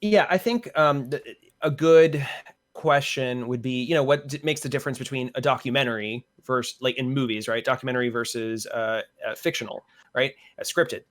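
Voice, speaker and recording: Medium-pitched man explaining in casual discussion. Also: normal speed. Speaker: panelist on a podcast discussion show.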